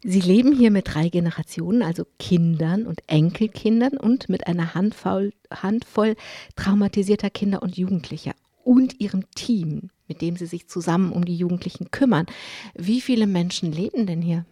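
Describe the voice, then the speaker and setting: A woman host asking prepared interview questions in a calm, measured way. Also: fairly low pitch, no room sound, clean studio sound. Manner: calm, measured, partly scripted.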